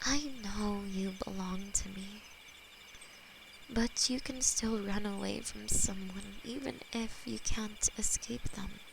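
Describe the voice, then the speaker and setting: Slow, gravelly-whispered demon girlfriend, as a woman voices her, possessive and tender, crickets chirping behind. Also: medium pitch. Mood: devoted. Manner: soft intimate whispering, halting. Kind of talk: ASMR audio roleplay. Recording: steady cricket and night noise behind.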